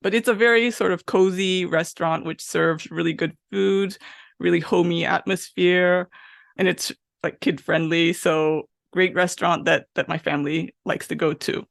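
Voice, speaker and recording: A woman, a guest answering thoughtfully with soft laughs and frequent pauses. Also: on the low side, steady tone, creaky, no room sound, studio quality. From Japan, raised in Texas. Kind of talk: casual interview chat.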